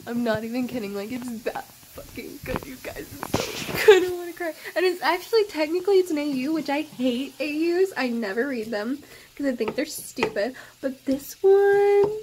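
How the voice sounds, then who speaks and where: A young woman talks straight to camera in a loose, rambling vlog, gushing about what she loves and swearing often. Her voice sits a little high for a woman. A faint hiss stays under her words. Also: expressive, moderate pace. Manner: gushing, swears often, chatty with lots of fillers. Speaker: vlogger. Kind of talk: casual chat.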